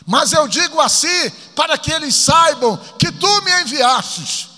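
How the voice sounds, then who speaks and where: Preacher doing jesus praying out loud, high ringing shout, echoey church. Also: male voice, expressive, measured pace, heavily acted. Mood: fervent. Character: Jesus praying aloud, commanding man. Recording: long church-hall reverb.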